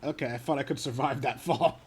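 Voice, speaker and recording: A woman's voice: a bass voice, a little fast, darkish tone, husky. A woman giving casual, offhand commentary while streaming a video game.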